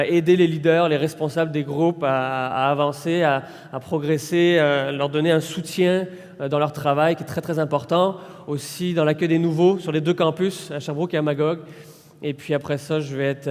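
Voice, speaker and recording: Man, 30s, French accent, pastor, fairly high voice, long church-hall reverb. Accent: French from France. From France. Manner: conversational and unhurried, with frequent pauses. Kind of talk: informal sermon introduction.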